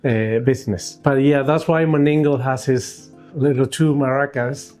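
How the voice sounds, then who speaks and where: A man in his sixties from Cuba with a Cuban accent and Spanish as his first language, answering interview questions casually and haltingly as a food truck owner. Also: medium pitch, fairly even intonation, a little mellow, soft background music. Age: 60s. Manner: halting, searching for words.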